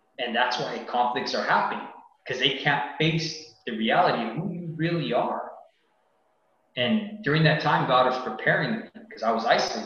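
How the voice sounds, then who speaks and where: Amid audible room echo, a man with a fairly high pitch swings through a very wide pitch range. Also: moderate pace. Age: 40s. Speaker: power lineman and fathers' ministry leader. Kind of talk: casual interview. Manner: repetitive, halting.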